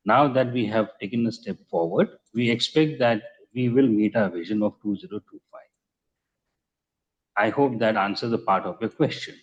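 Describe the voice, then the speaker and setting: Indian executive, husky voice on muffled call. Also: male voice, fairly low pitch, normal speed. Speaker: company executive answering investor questions. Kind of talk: earnings call question-and-answer. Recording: muffled conference call audio.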